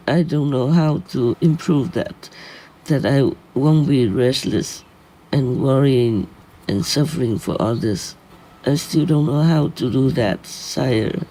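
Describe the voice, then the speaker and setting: A man speaking a prayer aloud in a pleading, halting and emotional way. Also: mid-range voice, vocal fry, mellow, poor audio. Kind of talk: spoken prayer.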